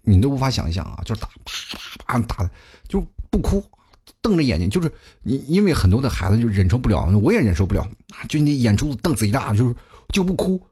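A man's voice: medium pitch, sing-song, fast talker, mellow, husky. A man telling funny stories in a chatty comic monologue as a talk show host, often laughing at his own jokes.

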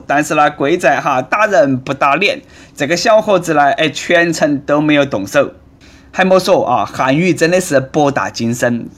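A man's voice: fairly high pitch, fairly bright tone. Sarcastic Sichuanese man with a raised voice. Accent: Nanchong Sichuanese. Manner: sarcastic, mocking. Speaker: host. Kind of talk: comic commentary.

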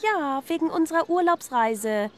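A woman playing a German wife keen to plan a holiday, in a textbook listening-exercise dialogue, asking brisk, prompting questions. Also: high voice, animated, faint music behind. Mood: eager.

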